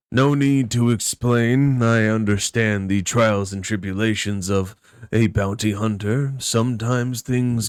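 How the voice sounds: The man puts on a gruff character voice at a medium pitch. His delivery is fairly slow.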